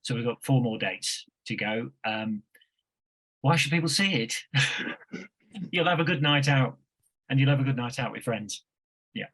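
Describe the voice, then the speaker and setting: A man's voice: medium pitch, expressive, measured pace, pauses often, a bit bright, rough recording. A man from a touring theatre show chatting casually on a video call. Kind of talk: casual chat.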